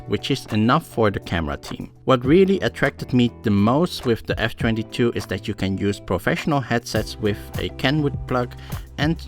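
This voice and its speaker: A man presenting a product review as scripted narration. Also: lowish voice. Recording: music behind the voice. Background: background music.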